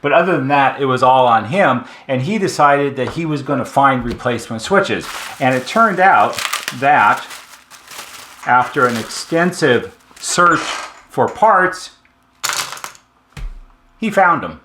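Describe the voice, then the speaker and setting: A man's voice: mid-range voice, expressive, slow, pauses often, noisy background. A man talking informally to viewers as a repair technician in an instructional video, emphatic and fond of repetition and rhetorical questions. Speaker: repair shop technician presenting a how-to video. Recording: roomy, echoing room sound.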